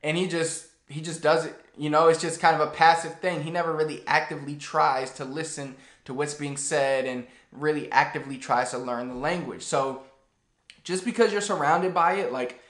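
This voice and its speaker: A man in his thirties giving a casual, animated lesson to the camera in a small room. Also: mid-range voice, reverberant. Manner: animated, gestures a lot while talking. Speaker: language teacher. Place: small plain room indoors.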